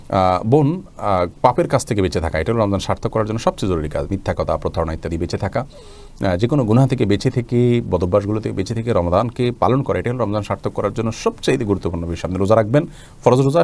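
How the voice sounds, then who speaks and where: A man who is an Islamic scholar, reading out viewers' questions and answering them in a calm, explanatory way, addressing each asker as brother or sister. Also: lowish voice. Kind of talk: religious question-and-answer talk.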